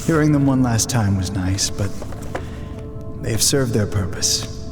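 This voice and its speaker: A gentle, reflective chronicler in a podcast drama. He talks slowly and haltingly, wistful and polite, in a long reverberant space with music underneath. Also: fairly low pitch, expressive. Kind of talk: fiction podcast character acting.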